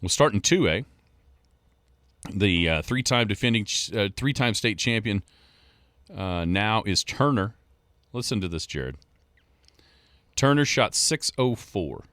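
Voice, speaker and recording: Male sports radio host, lowish voice, loose and joking delivery, dry studio mic. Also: expressive, measured pace, pauses often, a bit bright, no room sound. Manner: easygoing, joking, rambling.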